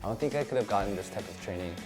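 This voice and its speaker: A woman's voice: very deep voice, animated, rapid-fire, music in the background. A woman speaking enthusiastically and casually in a testimonial interview.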